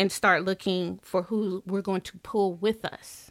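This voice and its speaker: An unremarkable speaking voice with an American accent moves at a moderate pace on a very clean recording with a silent background. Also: woman. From US South, Columbus, Georgia. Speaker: marketing consultant. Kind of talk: interview.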